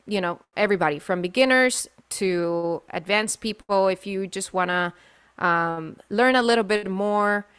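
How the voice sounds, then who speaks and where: Young female vocal coach, chatty webinar host, smooth voice, dry webcam sound. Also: medium pitch, fairly bright tone, dry recording. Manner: chatty, many fillers and restarts. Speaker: singing teacher hosting a webinar. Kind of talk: live webinar talk. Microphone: webcam mic on video call.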